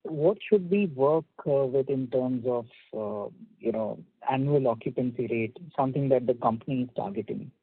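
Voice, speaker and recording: A man with an Indian accent, an analyst calling in, asks questions in a halting way with frequent pauses over a phone line. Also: mid-range voice, slightly rough, dry recording. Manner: halting, pausing often. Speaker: analyst caller asking questions. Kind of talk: earnings call questioning. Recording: dry, tinny narrowband phone line.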